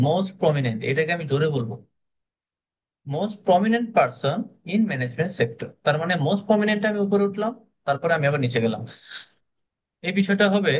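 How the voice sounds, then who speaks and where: A man's voice: mid-range voice, slight background noise. A man with a Bangladeshi accent giving spoken feedback to students in an online speaking class. He says "ah" often and mixes Bangla with English. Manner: relaxed, many "ah" fillers, mixes Bangla and English. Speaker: speaking club instructor. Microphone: video call.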